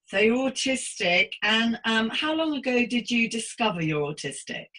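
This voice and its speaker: A woman's voice: a little high, expressive, normal speed, bright, forceful tone. A woman of about sixty, hosting an interview podcast in an encouraging, polite, effusive manner. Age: around 60. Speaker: podcast host and psychotherapist. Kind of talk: scripted intro and chatty interview hosting.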